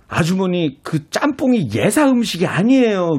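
The man's high-pitched voice swings very widely in pitch. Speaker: comedian. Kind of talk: casual chat. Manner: playful.

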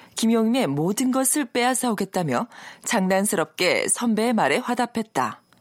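A woman with a fairly high pitch and a normal speaking voice talks at a moderate pace with lively intonation. The sound is dry and close with no echo, on a very clean recording with a silent background. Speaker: radio co-host. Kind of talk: reading aloud. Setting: radio studio.

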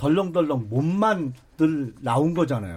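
Pitch swings very widely throughout. The voice is somewhat breathy. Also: man. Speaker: former lawmaker, political panelist. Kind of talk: political debate. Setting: radio studio.

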